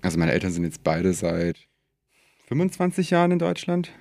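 A man in his twenties, a podcast guest from Germany, talking in a relaxed, hesitant way with many fillers and easy laughter. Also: sits low, normal speed, gravelly, dry recording, studio quality. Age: 20s. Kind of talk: casual conversation.

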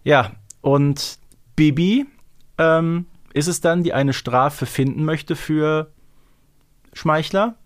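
A man's voice: fairly high pitch, takes it slowly. Chatty man co-hosting a podcast. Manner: chatty, seeks agreement with tag questions. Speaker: podcast co-host. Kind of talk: casual fan discussion of an audio drama.

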